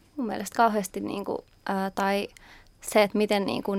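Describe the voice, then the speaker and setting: Using vocal fry, a woman speaks at a medium pitch and moderate pace with fairly even intonation. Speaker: student and youth organization chair. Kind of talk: radio panel discussion. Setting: studio.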